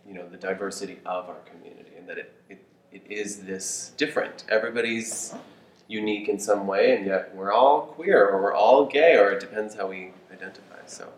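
A man's voice: lowish voice, roomy sound, distant mic, a little hiss or hum, low-quality recording. A man hosting and moderating a panel discussion, encouraging the guests with frequent "mm-hmm" and "yeah". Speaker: podcast host and moderator.

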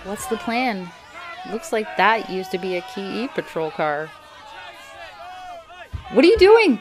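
An actress playing a fretful, stubborn young shadowrunner who talks in dramatic cyberpunk slang in an audio drama. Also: female voice, medium pitch, big pitch swings, measured pace, faint music behind, a faint crowd. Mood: tense, irritated.

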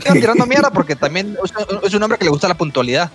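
A man telling a road-trip story on a podcast, animated and profane. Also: sits high, racing, soft background music. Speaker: podcast host. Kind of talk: casual storytelling chat.

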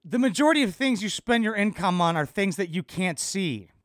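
A man's voice: high-pitched, animated, brisk, a bit bright, no room sound, clean studio sound, faint music behind. A man hosting a podcast, sarcastically mocking and cursing at a reality TV clip in casual commentary. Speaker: podcast host reacting to a TV clip.

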